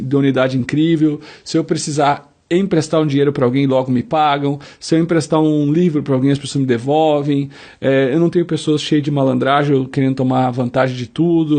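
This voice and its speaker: A man's voice: fairly high pitch, mellow. A man leads a self-help quiz, reading each statement and acting out sample answers in the first person. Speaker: motivational speaker.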